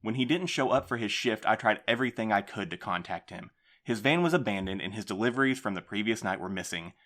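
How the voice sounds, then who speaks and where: An actor playing a defensive postmaster in an audio drama, speaking in a measured, placating way. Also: male voice, fairly low pitch, animated, fairly bright tone. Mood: earnest. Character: defensive male postmaster, guarded boss.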